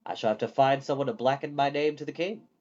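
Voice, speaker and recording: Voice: medium pitch, fast, a little mellow, muffled recording, lightly acted. A storyteller voicing a vain, sardonic young male wizard in a storybook, theatrical and mock-polite. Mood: worried, restless.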